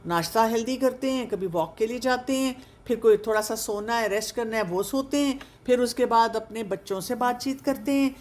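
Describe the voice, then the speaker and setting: A woman with a slightly high voice gives an earnest advice talk aimed at older listeners. She coaxes and persuades, often stopping to ask rhetorical questions. English words keep slipping into her speech as she counsels. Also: few pauses, darkish tone. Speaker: counselor and speaker on aging.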